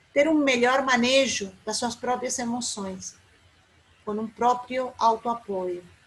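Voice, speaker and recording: A woman's high voice with a non-native accent, ordinary pitch variation and a very slow pace. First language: not Portuguese (speaking Portuguese). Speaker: psychologist speaker. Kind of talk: lecture.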